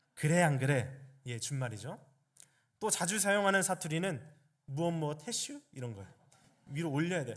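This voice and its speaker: A man's fairly high voice, fairly quick but broken by long, frequent pauses, with lively intonation and big swings in loudness. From Chungcheong Province, Korea. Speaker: pastor. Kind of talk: sermon. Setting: church.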